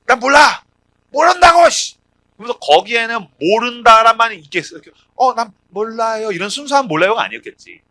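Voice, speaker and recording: A man in his thirties preaching a lively sermon at a youth retreat, acting out the voices of people in the stories and joking with the young crowd. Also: high-pitched, no room sound. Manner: animated, acts out quoted voices, jokes with the crowd. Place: retreat prayer hall.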